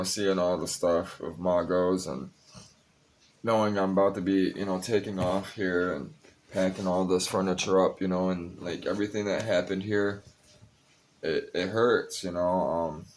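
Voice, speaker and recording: A man's voice: sits low, fairly even intonation, measured pace, long pauses. A young man talking casually and confessionally to his vlog audience, rambling, cursing freely and sounding tired. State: tired, a bit high. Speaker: vlogger. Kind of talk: casual personal vlog talk.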